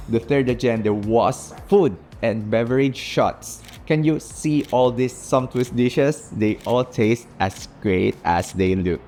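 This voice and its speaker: A man's voice: mid-range voice, darkish tone. A man with a Filipino accent, a native Tagalog speaker, narrating a storytime vlog. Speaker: vlogger. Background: background music.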